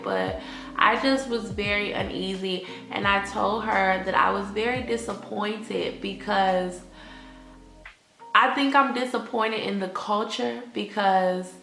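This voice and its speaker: A woman's voice: mid-range voice, creaky, a bit bright. A woman with an African American accent talking candidly in a personal vlog, conversational and repeating phrases for emphasis. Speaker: English teacher vlogging. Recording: roomy echo, faint music behind.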